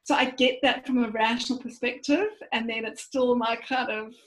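A woman speaks openly to her coach, her voice pitched somewhat high. She thinks aloud, circling back with fillers and small hesitations. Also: fairly even intonation, moderate pace, low-quality recording. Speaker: coaching client. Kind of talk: reflective conversation.

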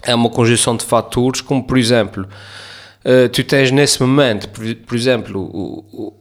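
A man in a casual chat, agreeable and quick to affirm. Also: mid-range voice, steady tone.

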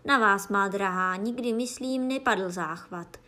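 A woman's voice: mid-range voice, pushed and bright, close to an everyday voice. Woman doing a pompous muttering King of Hearts. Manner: muttering, self-satisfied. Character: pompous fussy old king of a card court.

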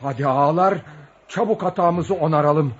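An actor playing a brash caravan worker who talks in an animated, excitable way. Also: male voice, on the high side, normal speed, natural voice. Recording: dull audio with faint noise.

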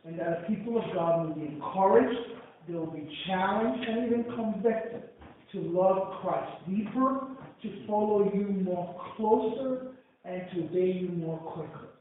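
A man with a Nigerian accent, a pastor leading a prayer and then reading scripture fervently, booming out the words of God. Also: a little slow, slight background noise. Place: large church hall. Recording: echoey hall, far from mic, phone-like band.

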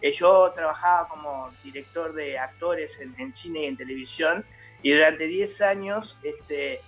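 A middle-aged Uruguayan theatre founder speaking as a radio guest in casual chat, hesitant, with many fillers and restarts. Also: male voice, on the high side, unhurried, fairly bright tone, soft background music. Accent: Uruguayan Spanish.

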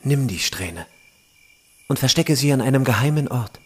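An actor playing a young, devoted would-be warrior in an audio drama. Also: male voice, mid-range voice, expressive, normal speed, husky. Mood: tender, awed. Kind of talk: German audio drama acting.

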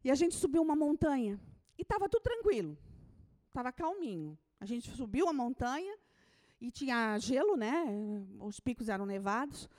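High-pitched woman preacher; fervent sermon delivery, alternating shouted declarations with quiet, whispered moments. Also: very animated, normal speed. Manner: swings from shouted proclamations to hushed near-whispers.

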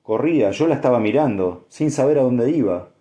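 A man's voice: mid-range voice, lively intonation, fairly quick, dark tone, lightly acted. A man voicing a stout, white-haired older farmer who talks bluntly and curiously, in an audiobook. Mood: confiding. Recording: echoey room.

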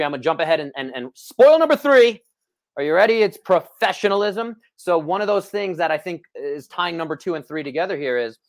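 A talkative personal trainer, a man with a slightly raised pitch. He chats with energy over an online call and restarts his sentences often. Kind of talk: casual podcast chat.

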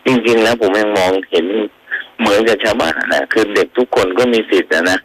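A man's voice: lowish voice, a bit bright, poor audio. A man, a prosecutor guest on a radio show, explaining legal matters and giving plain advice in a lecturing way. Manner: quick, lecturing, advises and sums up plainly. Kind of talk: expert explaining law on radio.

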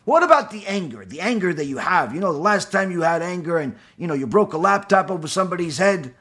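A man gives a lecture in a high, bright, slightly husky voice. His pitch swings widely as he fires off rhetorical questions, and he often stops on "you know" and "uh". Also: sing-song, fast. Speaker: Torah teacher. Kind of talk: recorded lecture.

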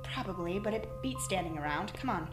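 Woman voicing a blunt deadpan survivor, audio drama, roomy echo, music underneath. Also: fairly low pitch, fairly quick, close to an everyday voice. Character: blunt, dry-witted woman lost in dark halls. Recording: echoey room with music behind.

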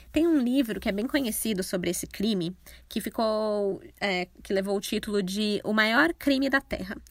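A young woman with a Brazilian accent tells a true crime story in a loose, chatty way, sarcastic and quick to swear. Her voice sits at an ordinary middle pitch. The recording is dry and close, with no room sound. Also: no echo. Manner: irreverent, sarcastic, swears freely.

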